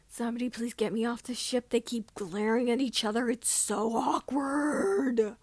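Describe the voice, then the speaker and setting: An earnest young space pilot read by a woman, cheeky and a little bewildered. The voice is fairly high and closely recorded with little room sound, in audiobook style. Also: normal speed, no room sound. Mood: wry, cheeky.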